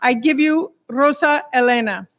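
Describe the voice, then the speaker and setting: A woman's voice: high voice, a little slow, fairly bright tone. A woman moderating a formal summit, introducing speakers in a ceremonious manner. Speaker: event moderator.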